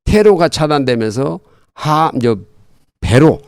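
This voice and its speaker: Older man, interview guest, earnest drawn-out explanations, halting delivery, lively melody, dry recording. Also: a little high, smooth, no room sound. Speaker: guest, retired army colonel and military history author.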